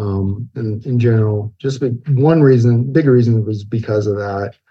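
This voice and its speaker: A man speaks at a medium pitch with a dark, mellow tone and ordinary pitch variation. His voice is somewhat breathy, and his pace is fairly slow. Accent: American. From Southern California. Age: 40s. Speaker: gecko breeder. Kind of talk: casual interview.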